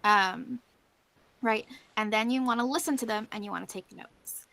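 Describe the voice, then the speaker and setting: A woman's voice: fairly high pitch, normal speed, gravelly, fairly bright tone, no room sound, poor audio. A woman giving an informal conference presentation as a panelist, explaining things in a conversational way.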